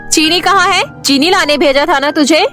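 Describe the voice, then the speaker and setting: A cruel middle-aged aunt in a cartoon story snaps and scolds in a high, sharp voice, as a woman voices her. Her tone stays harsh and sneering. Faint music plays underneath. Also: moderate pace. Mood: angry.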